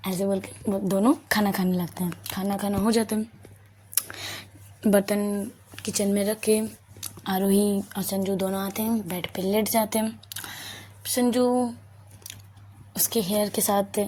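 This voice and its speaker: A woman narrating a romance story in a soft, unhurried, half-whispered way. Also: mid-range voice, little pitch movement.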